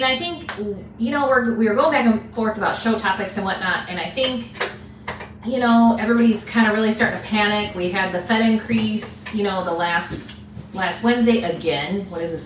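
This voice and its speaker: A woman's voice: mid-range voice, normal speed. A woman co-hosting a casual chat show, chatty and teasing, laughing easily. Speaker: co-host, real estate agent. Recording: echoey room, mic at a distance, faint hiss.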